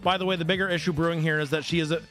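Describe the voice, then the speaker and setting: A man's voice: fairly high pitch, fairly even intonation, racing, fairly bright tone, faint music behind, low-quality recording. A man streaming, reading forum posts aloud and breaking off to react, swear and laugh.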